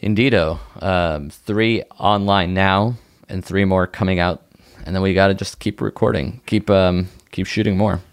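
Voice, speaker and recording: A man's voice: low voice, fairly even intonation, moderate pace, dry recording, clean studio sound. A man co-hosting a comedy podcast in casual, joking banter, often slipping into acted-out imaginary dialogue. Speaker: podcast co-host.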